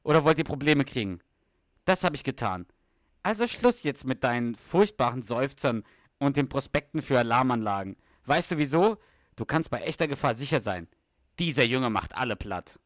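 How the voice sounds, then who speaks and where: A brash middle-aged husband brags and defends himself over dinner, as a man reads the sitcom part aloud. His voice jumps around in lively swings and sounds dry and close. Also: medium pitch, normal speed, dry recording. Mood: boastful. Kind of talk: read-aloud sitcom dialogue.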